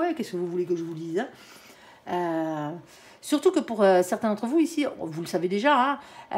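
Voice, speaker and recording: A woman's voice: on the high side, a little mellow. A woman with a regional French accent giving a casual tarot reading, chatty and blunt, tagging "hein" onto nearly every phrase. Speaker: tarot reader.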